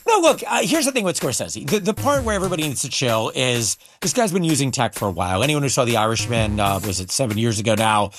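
A man's voice: mid-range voice, lively intonation, quick pace, few pauses. A male reporter talking casually and emphatically, his voice moving over a wide range. Faint music sits underneath him. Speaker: entertainment reporter guest. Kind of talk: casual explanatory chat.

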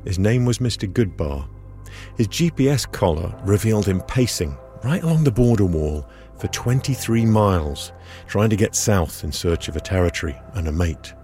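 A man reporting outdoors, narrating a documentary story in a calm, measured way. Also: on the low side, soft background music. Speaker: radio reporter. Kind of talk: scripted documentary narration with field interviews. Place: outdoors at a border wall, in the hot sun.

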